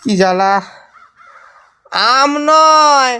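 A man's voice: extremely high pitch, animated, very slow, pushed and bright, full character voice. A man playing a bossy, grandiose young gang leader, declaiming and easily exasperated, in a theatrical audio drama. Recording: music behind the voice.

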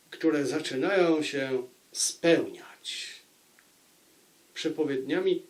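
Slow-talking man reviewing a book. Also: a little high, a little mellow. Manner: deliberate, repeats phrases for emphasis. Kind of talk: unscripted book review monologue.

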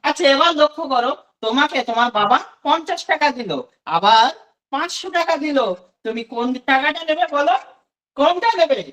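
A woman's voice: high-pitched, a little fast, a bit bright, distant mic, low-quality recording. A woman teaching a demo class to imagined children, asking questions and then answering them herself.

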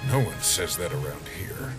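A man voicing a laid-back, gruff skeleton monster in a comic dub, with a casual, wry drawl. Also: low voice, expressive, normal speed. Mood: wry, guarded. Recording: loud music behind the voice.

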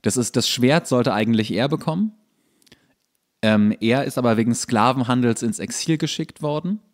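A man co-hosting a podcast, explaining a TV series in casual chat with halting, searching delivery. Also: mid-range voice. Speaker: podcast co-host.

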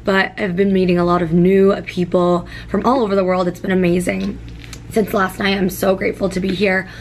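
A young woman talks to a camera close by in a quiet room, in a friendly vlog style with plenty of "like" fillers. Her voice is worn and a little hoarse after days of talking. Her pitch sits in an ordinary middle range, with a faint hum behind her. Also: little pitch movement, fairly quick. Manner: chatty, upbeat, frequent "like" fillers. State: hoarse, voice partly lost. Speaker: lifestyle vlogger. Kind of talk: casual vlog chat to camera. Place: hotel room and home bedroom, indoors. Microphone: camera facing her at arm's length.

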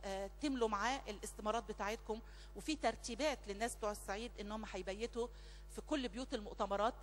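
A woman's voice: on the high side, slight background noise. A woman with an Egyptian Arabic accent leading a church prayer meeting, speaking emphatically and repeating her phrases fervently. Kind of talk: church announcements and spoken prayer. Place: large church hall. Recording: long church reverb, faint music behind.

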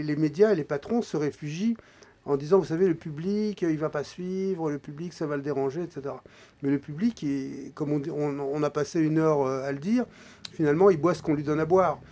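A man in his forties, a guest in a radio studio, explaining at a measured, hesitant pace and often trailing off quietly. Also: fairly high pitch. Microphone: studio microphone, wearing headphones.

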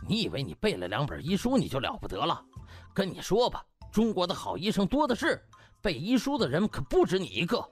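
A pompous, touchy male doctor played by a male narrator, with wildly swinging pitch. He is a blustering audiobook rival, over music. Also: wildly swooping pitch, brisk, breathy edge, heavily acted. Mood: indignant. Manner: pompous, blustering, obsequious to superiors. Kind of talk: audiobook character acting. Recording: music behind the voice.

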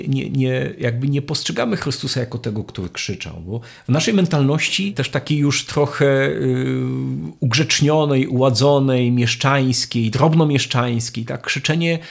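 A man's voice: mid-range voice, creaky, breathy edge. A man giving a spoken catechesis, reflective and searching for words, often restarting his phrases. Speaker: lecturer on faith.

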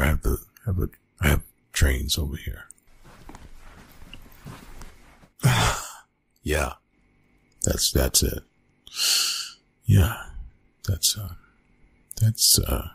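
Man acting husky, very low, flustered college bully. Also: no room sound, full character voice. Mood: awkward, softening. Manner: halting, stammering, evasive. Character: college bully, flustered, awkward, secretly softening young man. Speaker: roleplay audio performer. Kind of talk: one-sided ASMR roleplay acting.

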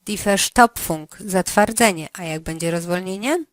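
A woman running a language lesson, giving slow, carefully articulated prompts for the learner to answer. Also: lowish voice, no echo. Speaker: language teacher.

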